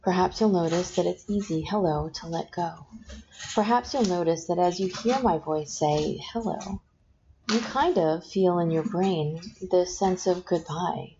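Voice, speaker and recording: A woman guiding a hypnosis session, speaking in slow, soft, repetitive suggestions. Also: on the low side. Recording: dull lo-fi sound with faint noise.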